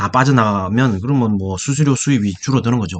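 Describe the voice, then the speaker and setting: A man at a fairly quick pace, fairly low in pitch with ordinary pitch variation, against a quiet background. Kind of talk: market commentary monologue. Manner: halting, many fillers.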